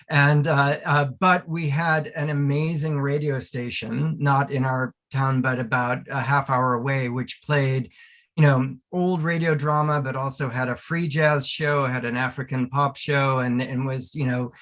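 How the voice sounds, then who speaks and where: A man with a mid-pitched voice speaks on an informal discussion panel. His delivery is halting and tentative, with repeated words while he gathers his thoughts. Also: fairly bright tone. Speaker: panelist, academic.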